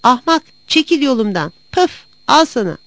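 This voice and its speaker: A woman's voice: a little high, sing-song, a little fast, no echo, pitched above the performer's own voice. A woman voicing a bossy, hot-tempered white cat in a storybook reading. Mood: angry. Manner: shouting, bossy. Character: angry stubborn white cat, quick-tempered.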